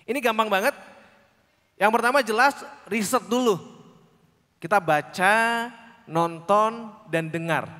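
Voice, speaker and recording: High-voiced man speaking in a hall. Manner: lively, teasing, acts out little quoted lines. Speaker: workshop speaker. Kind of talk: public speaking workshop talk. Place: large conference hall. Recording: reverberant hall sound.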